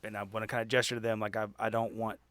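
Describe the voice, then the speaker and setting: A man playing a tabletop game, chatting casually and haltingly as he thinks his moves out loud. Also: lowish voice, level tone, no room sound.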